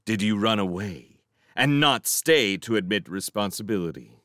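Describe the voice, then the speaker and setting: A man voicing a menacing, pompous, vindictive gentleman magician in an audiobook, with soft speech that can swell into indignation. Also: fairly low pitch, lively intonation, moderate pace, no room sound, studio quality. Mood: calm menace. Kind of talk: dramatic audiobook character reading.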